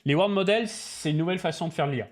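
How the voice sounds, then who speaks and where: A man's voice: on the high side, very fast. A man hosting a livestream, talking casually, bluntly and animatedly, with lots of slang and swearing. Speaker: crypto channel host.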